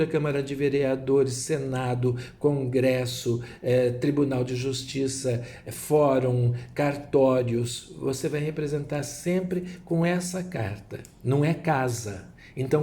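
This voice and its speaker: A man's voice: medium pitch, warm tone. A man with a Brazilian Portuguese accent explaining Lenormand cards in a rambling way, full of asides and rhetorical tags. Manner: digressive, many asides and rhetorical "né?". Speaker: tarot reader.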